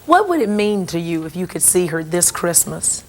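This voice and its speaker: A woman's voice: on the low side, big pitch swings, normal speed, a little mellow, slight background noise. A woman hosting a television talk show, coaxing a guest to share his story before a studio audience.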